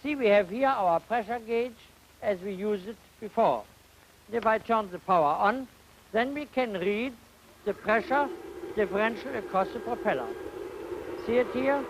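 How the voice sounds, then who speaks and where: A man lecturing in an educational film demonstration, phrasing things haltingly and deliberately and posing questions to himself. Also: high voice. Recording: noisy 1950 educational film soundtrack.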